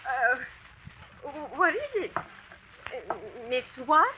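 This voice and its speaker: A woman's voice: high-pitched, expressive, drawn-out words, a crowd in the background, heavily acted. An actress playing an elderly, timid female school owner in a 1940s radio drama, hesitant and flustered. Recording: dull old radio broadcast.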